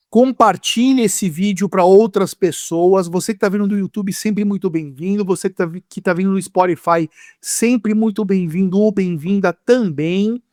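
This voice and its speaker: A Brazilian man hosting a lively sports podcast in a playful, theatrical way, his voice rough from being sick. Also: sits high, no echo, studio quality. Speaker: podcast host.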